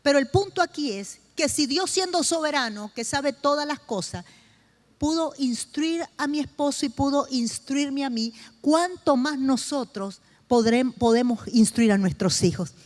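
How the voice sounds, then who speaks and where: A middle-aged woman pastor preaching a sermon with personal testimony, emphatic and slow, repeating key phrases for stress. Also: high voice, expressive.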